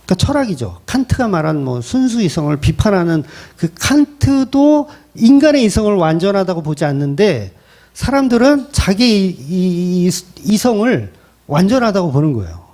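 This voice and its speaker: A man's voice: high-pitched, sing-song, moderate pace, darkish tone. A middle-aged male pastor preaching a sermon in a conversational style, asking rhetorical questions. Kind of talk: expository sermon.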